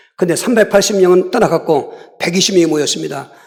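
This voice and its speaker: A man speaks at a fairly quick pace. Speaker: pastor. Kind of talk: sermon. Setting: church. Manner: fast.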